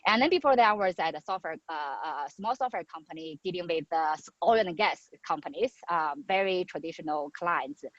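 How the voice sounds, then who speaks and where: A woman from China in her thirties, introducing herself on a video call with a halting manner full of fillers. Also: fairly low pitch, expressive, dry recording. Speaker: venture investor. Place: outdoors on a patio. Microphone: laptop mic on video call. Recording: muffled video call audio.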